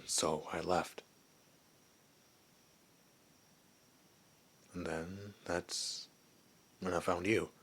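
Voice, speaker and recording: Man acting as lonely male werewolf outcast, ASMR roleplay, very deep husky voice, soft and halting, wistful, confiding. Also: level tone, exaggerated voice. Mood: hurt, confiding.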